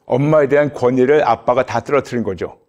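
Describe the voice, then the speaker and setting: A middle-aged man, a pastor hosting a counseling interview, asking probing questions on a dark studio set. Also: mid-range voice, brisk, lo-fi sound, soft background music. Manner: probing, with frequent short acknowledgments. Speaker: pastor and host.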